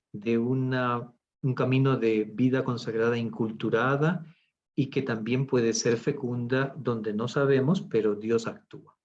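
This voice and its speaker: Male conference speaker, measured and reflective, mid-pitched voice, dull lo-fi call audio. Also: a little mellow. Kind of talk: conference talk with questions.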